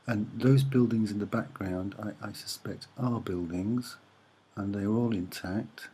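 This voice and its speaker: A soft-spoken man giving a hesitant, musing, rambling commentary on images as an amateur presenter. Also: fairly low pitch, unhurried, breathy edge.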